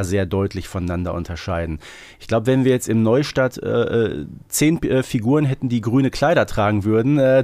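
On a casual podcast, a male co-host chats loosely and keeps tossing in tag questions. His voice sits at medium pitch with a darkish tone, captured in a dry recording.

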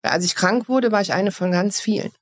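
A woman from Eupen, Belgium, speaks German with an East Belgian accent in a mid-range voice, talking briskly as a guest in a personal interview conversation in Cologne. She's frank and reflective, often restarting her sentences.

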